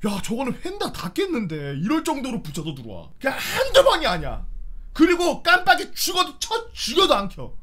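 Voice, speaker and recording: A man in his thirties with a very high, slightly rough voice streams casually, telling stories and reading viewer stories. He talks fairly quickly in a sharp tone with huge pitch swings, swearing and acting out scenes with sound effects.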